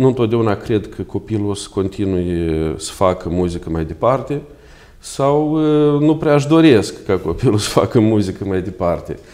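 A man's dark, mellow, fairly low voice at a moderate pace, swinging very widely in pitch, against a quiet background. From northern Moldova, Ocnița district; Moldova. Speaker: college director. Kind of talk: interview. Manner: halting. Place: home room. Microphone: lapel.

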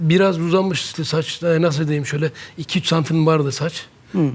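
Here a man with a plain, everyday voice speaks at a fairly high pitch with fairly even intonation. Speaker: father of missing man. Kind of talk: emotional testimony on TV talk show. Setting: studio. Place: studio.

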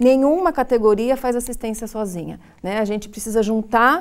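A fairly high-pitched woman's voice with ordinary pitch variation. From São Paulo city, Brazil; Brazil. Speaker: nursing professor. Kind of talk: studio interview. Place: studio. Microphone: lapel.

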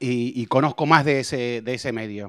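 A man's fairly slow, fairly evenly intoned speech against a quiet background. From Argentina. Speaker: sports journalist. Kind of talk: panel talk. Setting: auditorium with audience. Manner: halting, many repetitions and fillers. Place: hall. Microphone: handheld.

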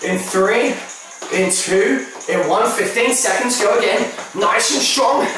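Amid strong room echo and noticeable background noise, a man speaks at a very slow pace with long, frequent pauses, a high pitch, and ordinary pitch variation. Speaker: fitness instructor. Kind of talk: follow-along workout coaching with live cueing. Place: empty room. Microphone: camera far.

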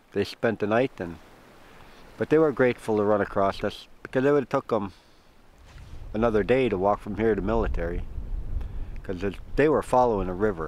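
Speaking fairly quickly with an American accent, a man with a fairly low pitch and ordinary pitch variation leaves long, frequent pauses. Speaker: hunting camp member. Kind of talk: documentary interview. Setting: outdoors.

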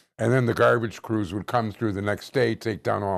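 A man's fairly low voice with an American accent and vocal fry, at a moderate pace with ordinary pitch variation, over a quiet background. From Chicago area. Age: 60s. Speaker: community TV show host. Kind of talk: interview. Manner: conversational, uses many fillers. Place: studio. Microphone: lapel.

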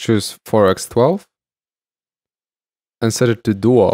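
Slow in pace, a man speaks at a fairly low pitch with ordinary pitch variation and a slightly mellow tone.

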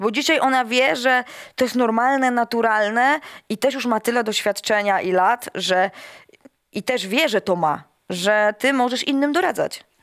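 Against a quiet background, a woman speaks at a moderate pace with a high pitch. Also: ordinary pitch variation. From Poland, Masuria (Działdowo); Poland. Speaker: national team football coach; women's national football team coach, guest. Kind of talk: casual interview. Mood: calm, earnest. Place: studio. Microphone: headset.

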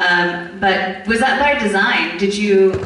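A woman is speaking. Her voice carries audible room echo. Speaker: moderator. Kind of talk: Q&A interview. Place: hall.

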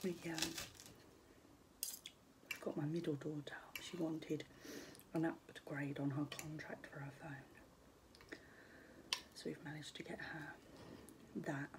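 A soft-spoken woman whispers in a gentle tone at a fairly slow pace, with long, frequent pauses. Noticeable background noise runs underneath. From UK. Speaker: ASMR eating vlogger. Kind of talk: ASMR casual talk to camera while eating. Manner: soft-spoken, whispery, gentle. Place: home room. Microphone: phone near.

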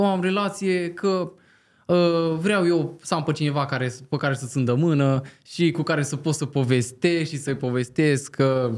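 A man speaks at a moderate pace with a fairly high pitch and ordinary pitch variation. He has a plain, everyday voice. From Romania, Bihor (village near Oradea). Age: 20s. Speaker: content creator. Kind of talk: casual chat.

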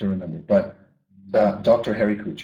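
A man with a Brazilian accent speaks at a moderate pace in a dark, mellow tone. His voice is somewhat breathy, and the background is quiet. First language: Portuguese. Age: 30s. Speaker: English teacher trainer. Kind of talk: webinar presentation. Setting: online live webinar. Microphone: webcam.

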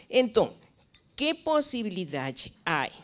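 A woman with a Spanish accent at a very slow pace, against a quiet background. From Venezuela. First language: Spanish (speaking Portuguese). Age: 60s. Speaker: university professor, immigrant; university professor. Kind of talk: public hearing testimony. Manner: halting, many hesitations. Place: hall. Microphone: handheld.

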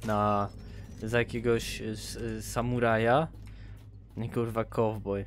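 A man speaks with faint music in the background. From Poland. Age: 20s. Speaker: gaming youtuber. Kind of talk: let's play commentary. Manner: casual, animated. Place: home room. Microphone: headset.

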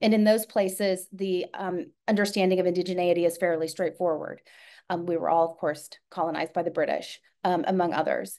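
A woman with an American accent speaks at a fairly quick pace, her tone dark and mellow with ordinary pitch variation. The background is quiet. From Oklahoma, rural. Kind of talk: seminar presentation. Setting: video call webinar. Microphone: webcam.

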